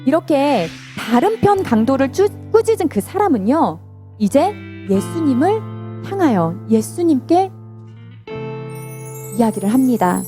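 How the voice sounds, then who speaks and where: A woman's voice: high voice, sing-song, unhurried, dark tone, faint music behind. A woman preaching to children in church, telling the story and asking them questions. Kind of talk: children's sermon.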